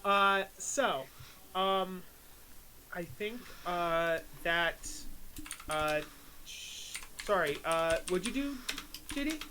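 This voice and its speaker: A woman acting as game master, narrating a tabletop game casually in a hesitant, halting way. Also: on the low side. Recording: clear background hiss and noise.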